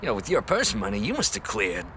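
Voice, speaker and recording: An actor playing the hustling, excitable boss of an illegal racing racket in an audio drama. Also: male voice, fairly low pitch, quick pace, slight background noise, exaggerated voice. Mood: hustling, impressed. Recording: music behind the voice.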